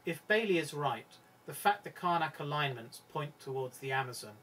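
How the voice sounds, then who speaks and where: A man's voice: on the high side, lively intonation, moderate pace, pushed and bright. Distant-miked middle-aged man narrating. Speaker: presenter. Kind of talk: scripted narration, documentary lecture. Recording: slightly distant microphone.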